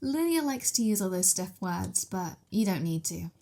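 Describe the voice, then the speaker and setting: A woman's voice: mid-range voice, big pitch swings, moderate pace, dark tone. A woman playing a sweet, hungry young vampire mistress in an ASMR roleplay, talking in a casual, playful, giggly way. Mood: playful, friendly.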